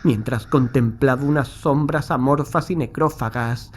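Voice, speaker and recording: An actor playing a shaken investigator recounting a graveyard horror in a grave, florid, haunted dramatic monologue. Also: male voice, medium pitch, measured pace, close to an everyday voice. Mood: grim, horrified.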